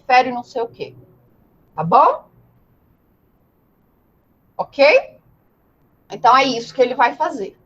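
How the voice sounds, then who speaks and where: Brazilian woman teaching an online law class, high pitched, asks and answers her own questions, kinda dull lo-fi sound. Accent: Brazilian Portuguese. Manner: didactic, full of rhetorical questions and repetition. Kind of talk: live online lecture, informal and conversational.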